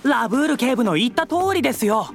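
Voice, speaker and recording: A woman plays a perky young police constable in a storybook drama. The voice is high and bouncy, full of eager exclamations. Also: lively intonation, quick pace, gravelly, faint music behind. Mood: cheery.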